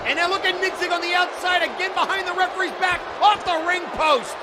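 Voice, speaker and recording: A man giving live wrestling play-by-play, shouting excitedly and exclaiming at the action and the referee. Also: very high-pitched, brisk. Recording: noisy event audio with loud crowd. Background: crowd noise and slamming thuds.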